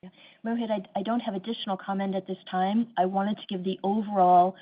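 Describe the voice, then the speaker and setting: A woman's voice: mid-range voice, steady tone, quick pace. A woman speaking as a company executive, answering questions on an earnings call. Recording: slightly dull conference call audio.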